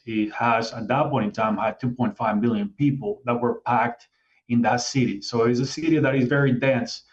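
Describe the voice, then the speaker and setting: A middle-aged man from Venezuela, earnestly telling his life story as a guest in an interview. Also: medium pitch. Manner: earnest, explanatory, reflective. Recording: slightly dull lo-fi sound.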